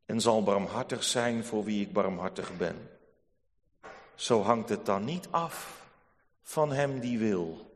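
A man preaching a sermon to his congregation, solemn and measured, rising to emphatic peaks. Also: on the low side. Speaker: pastor. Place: church. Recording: long church reverb.

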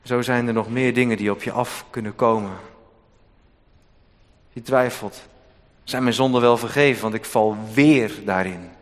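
A man preaching a sermon, with sharp swings in loudness and emphasis. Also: mid-range voice, normal speed, long pauses. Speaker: pastor. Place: church. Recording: long hall reverb.

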